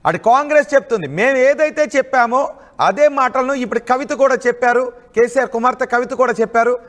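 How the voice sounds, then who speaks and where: A woman's voice: fairly high pitch, a little fast. A woman anchoring live news, presenting developments and putting questions to a reporter.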